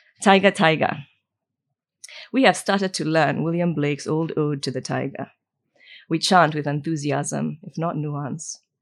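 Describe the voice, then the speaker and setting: A woman with a Nigerian accent speaks in a very deep, low voice. Her pace is moderate and her pitch variation ordinary. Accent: Nigerian accent put on for the reading. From Nigeria, then United States. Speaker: writer and photographer. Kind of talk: reading aloud. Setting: bar event with live audience.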